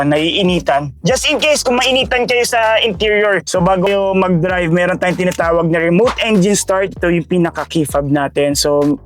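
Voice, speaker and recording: A man with a Filipino accent giving a casual walkaround tour of a car's interior, explaining each feature step by step with many fillers. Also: a little high. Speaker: car sales presenter. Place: inside a parked car.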